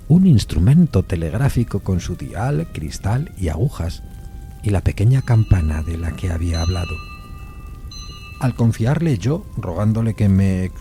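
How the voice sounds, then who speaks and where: Man acting courteous gentleman storyteller, very low pitch, velvety dark timbre, formal, hesitant, eerie audio drama. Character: intimidated, curious, courteous gentleman recounting an eerie encounter. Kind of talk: dramatized first-person suspense story narration.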